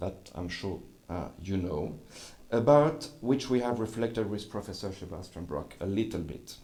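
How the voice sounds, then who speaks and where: A man with a French accent, fairly low in pitch with ordinary pitch variation, in audible room echo. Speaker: journalist. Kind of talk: conference talk. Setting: conference hall with audience. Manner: halting.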